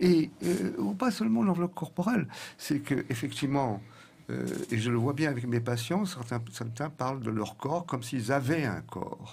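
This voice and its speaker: Lively intonation and vocal fry come through at a moderate pace. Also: man, medium pitch for a man. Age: 70s. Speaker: psychotherapist. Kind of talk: film discussion. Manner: halting, many hesitations.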